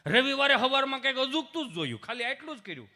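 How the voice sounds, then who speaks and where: A man telling folk comedy stories, muttering the villagers' lines low and then rising into loud devotional preaching. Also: sing-song, fast talker, noisy background. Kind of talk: Gujarati folk stand-up storytelling.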